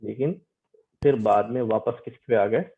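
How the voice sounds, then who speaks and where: A man's voice: on the low side, normal speed. Tinny-sounding South Asian male lecturer. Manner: explanatory, repeats points, mixes in English terms. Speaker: teacher giving an online class. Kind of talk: lecture, reading English text slowly and explaining it. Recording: narrow, tinny online-call audio.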